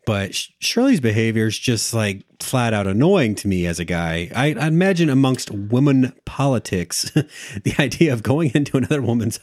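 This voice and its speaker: A man co-hosting a podcast in casual chat, measured as he recounts events in detail. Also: medium pitch, very animated, a little mellow, no room sound, clean studio sound. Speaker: podcast co-host.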